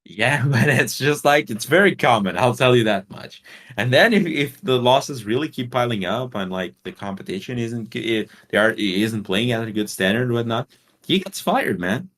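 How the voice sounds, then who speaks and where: With a medium-pitched, fairly bright voice, a man from Portugal co-hosts a casual sports podcast at a normal pace, sounding animated. He's outspoken and swears, and his explanations tend to ramble.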